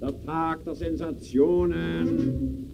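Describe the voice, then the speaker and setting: An actor playing a theatrical, incantatory crier of sensations and catastrophes in a 1920s-style radio play. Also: male voice, on the high side, fairly even intonation, drawn-out words, creaky, highs cut off, over loud music, full character voice. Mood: ominous, sombre. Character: grandiose male chorus-like crier of sensations and catastrophes.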